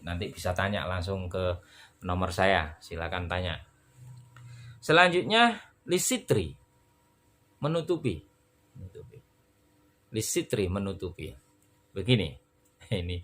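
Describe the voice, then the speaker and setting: A tired man, teaching a recorded lesson on Arabic rhetoric in a relaxed, conversational way and acting out short dialogues to explain. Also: deep voice, a little hiss or hum.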